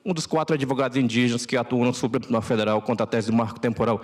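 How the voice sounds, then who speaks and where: Casting: man, Macuxi speaker, mid-pitched, deliberate and solemn public speech. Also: steady tone, darkish tone. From Roraima, Brazilian Amazon. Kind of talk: solemn prepared speech to an audience.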